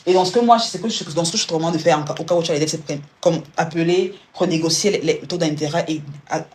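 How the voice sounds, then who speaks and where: A woman's voice: low-pitched, fast, darkish tone. A woman coaching viewers on personal finance during a live stream, speaking informally and directly to the listener, often restarting and repeating words. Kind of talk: live-stream money advice.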